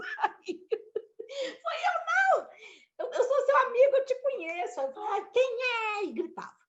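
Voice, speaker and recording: A woman telling a personal story in an animated way, laughing and acting out quotes. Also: high-pitched. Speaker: guest speaker. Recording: dull lo-fi online stream audio.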